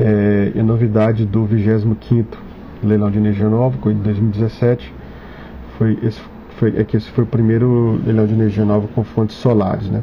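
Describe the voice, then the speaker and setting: Over light background noise, a man with a Brazilian accent talks at a moderate pace in a fairly low voice, his intonation fairly even and his loudness very even. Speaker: regulatory agency technical staff. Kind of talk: formal technical presentation. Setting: video call. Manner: halting. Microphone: video call.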